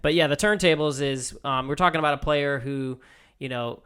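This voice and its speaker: A man's voice: fairly high pitch, normal speed, fairly bright tone, smooth. A man co-hosting a sports podcast, upbeat and steering the talk from one segment to the next. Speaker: podcast co-host. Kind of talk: casual sports chat.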